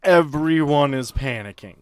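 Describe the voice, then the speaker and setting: A man's voice: fairly high pitch, expressive, measured pace, clear, resonant tone, no room sound. A man acting as podcast host and game master, moving between casual banter and narrating the game.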